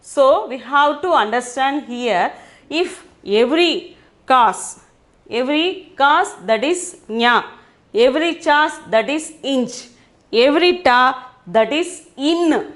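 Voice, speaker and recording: A woman teaches Hindi pronunciation at an unhurried, deliberate pace. Her voice sits high, and she repeats every phrase and sounds out each syllable in turn. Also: animated, fairly bright tone. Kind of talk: slow classroom explanation.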